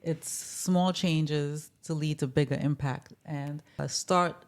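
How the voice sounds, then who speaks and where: A woman's voice: sits low, fairly even intonation, slow pace, darkish tone. A woman co-hosting a casual health talk, agreeable and encouraging with practical tips. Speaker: health coach co-host.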